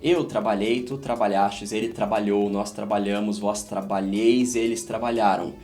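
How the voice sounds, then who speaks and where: A man's voice: fairly low pitch, fairly even intonation, normal speed, darkish tone, faint music behind. A man with a Brazilian Portuguese accent, an English teacher explaining grammar in a casual, joking way and talking straight to his viewers. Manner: chatty, joking, addresses viewers as "gente".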